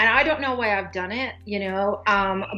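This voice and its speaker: The background is quiet. A woman speaks at a moderate speed. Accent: Turkish. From Turkey. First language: Turkish. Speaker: life and relationship coach. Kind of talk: interview. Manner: halting, many fillers.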